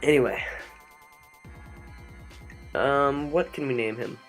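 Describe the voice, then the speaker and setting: A young man talks over his gameplay into a desk mic, rambling and joking with plenty of ums along the way. His voice sits at an ordinary middle pitch. Soft background music plays quietly underneath. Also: slow. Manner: chatty and jokey, lots of ums. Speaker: let's play host. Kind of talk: gameplay commentary. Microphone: desk microphone. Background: faint background music.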